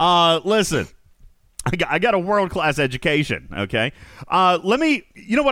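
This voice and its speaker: With a fairly high pitch and vocal fry, this man sounds animated, his tone bright and sharp. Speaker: podcast host. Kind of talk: casual chat.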